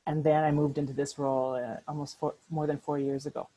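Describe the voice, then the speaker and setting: A middle-aged American woman giving a conversational presentation over a video call from her apartment, often pausing with fillers and restarts. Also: sits low, little pitch movement, mellow, low-quality recording. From United States. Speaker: workshop speaker. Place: apartment at home.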